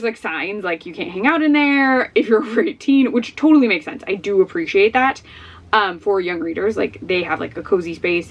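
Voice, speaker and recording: A woman's voice: medium pitch, fairly bright tone. Chatty young woman book vlogger. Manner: chatty, rambling, full of "like" and "um". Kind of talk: casual talk to camera. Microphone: camera facing her.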